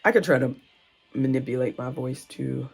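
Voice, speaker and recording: A woman with a raspy, hoarse voice from a sore throat, rambling and thinking aloud in a casual vlog at home, filmed on a phone. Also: rumbling low, moderate pace, soft background music. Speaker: vlogger and mom entrepreneur. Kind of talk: casual talking-to-camera vlog. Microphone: phone on a tripod. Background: faint kids' show audio.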